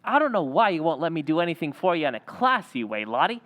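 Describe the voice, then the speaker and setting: A man's voice: fairly high pitch, big pitch swings, fast, fairly bright tone. A man acting in an old-time radio drama as a jealous, defensive young working-class guy who talks in tough slang, recorded in an echoey hall. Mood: eager, brash. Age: young adult.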